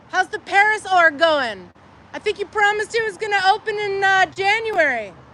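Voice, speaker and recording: Speaking at a moderate pace in a raised, projected voice, a woman with an extremely high pitch uses ordinary pitch variation and a bright, sharp tone. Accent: Michigan. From Michigan, north of Detroit suburbs. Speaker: street protester livestreamer. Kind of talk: casual street livestream chat. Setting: outdoors on a street corner. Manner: animated.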